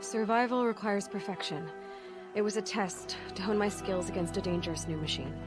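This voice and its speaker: A woman's voice: medium pitch, brisk, music in the background, close to an everyday voice. A young woman playing a headstrong, defiant tribal huntress in a video game, earnest, stubborn and questioning. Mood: challenging. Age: young adult. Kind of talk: video game cutscene voice acting.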